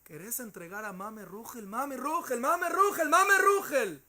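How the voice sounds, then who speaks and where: A man acting out a grown man who weeps and shouts in anguish. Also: extremely high pitch, animated, a little fast, creaky, a crowd in the background, pitched above the performer's own voice, full character voice. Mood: anguished shouting. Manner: crying out, pleading.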